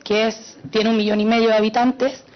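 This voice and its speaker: Chilean woman, slightly high voice, dull audio. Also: flat delivery, moderate pace. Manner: hesitant, many fillers, explaining earnestly. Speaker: audience member asking a question. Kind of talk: audience comment at a panel.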